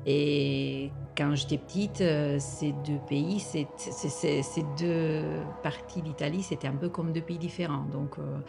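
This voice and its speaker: A woman's voice: deep voice, fairly even intonation, unhurried, gravelly, few pauses, over music. A middle-aged woman from northern Italy with an Italian accent, talking casually as a podcast guest, hesitant, with many fillers and restarts. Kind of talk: casual interview talk.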